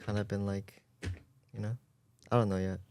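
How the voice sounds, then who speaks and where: A twenty-year-old man talks casually as a podcast guest, his low voice wandering through long rambling sentences full of "like". The sound is close and dry, with no room around it. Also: flat delivery, moderate pace, a little mellow, no room sound. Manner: rambling, lots of "like". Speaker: guest volunteer.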